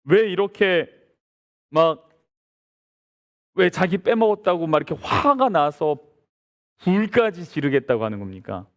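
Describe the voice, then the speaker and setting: Male pastor, sermon delivery, higher register, very expressive pitch, questions the congregation. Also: a little slow, pauses often. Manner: lively, asks the congregation rhetorical questions. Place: church sanctuary.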